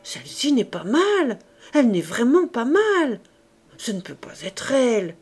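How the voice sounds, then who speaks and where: A woman reading aloud, voicing a coarse, furious poor older woman who shouts in a shrill, venomous tone. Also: very animated, measured pace, breathy edge, exaggerated voice. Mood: outraged.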